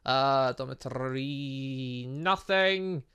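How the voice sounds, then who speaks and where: A man giving excitable let's-play commentary, rambling along with playful, exclamatory asides. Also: mid-range voice, extremely slow, clean tone. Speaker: gaming channel host.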